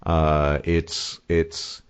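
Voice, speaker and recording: A man's voice: very deep voice, monotone, extremely slow, smooth. A man in a casual discussion, speaking hesitantly with many fillers and restarts. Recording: muffled lo-fi audio.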